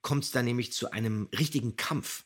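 A man's voice: mid-range voice, normal speed, husky. A man co-hosting a podcast, giving casual commentary and background on a radio play. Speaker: podcast co-host.

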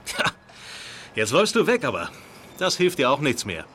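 Strenger, anklagender Mann, helle scharfe Stimme. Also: male voice, mid-range voice, wildly swooping pitch, normal speed, sharp tone, a little hiss or hum. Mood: accusing, stern. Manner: emphatic, accusatory. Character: stern, accusing adult man confronting a thief. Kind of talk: German audio drama acting.

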